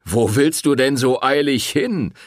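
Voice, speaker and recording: A man's voice: medium pitch, wildly swooping pitch, normal speed, no room sound, clean studio sound, voice pushed up. A man voicing a mocking Sicilian innkeeper in an audiobook, taunting and sneering.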